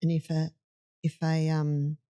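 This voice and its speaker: A woman's voice: low-pitched, completely flat delivery, unhurried, mellow. An older woman speaking as a guest in a conversational interview, emphatic and storytelling, acting out quotes. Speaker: health speaker.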